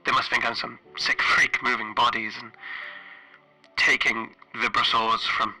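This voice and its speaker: A man playing a weary, guilt-ridden stranded flight engineer, recording a halting, hesitant horror roleplay log with a radio-like sound. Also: medium pitch, little pitch movement, sharp tone, low-quality recording. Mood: uneasy, haunted. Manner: halting, hesitant, self-questioning. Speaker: solo tabletop RPG player. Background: music.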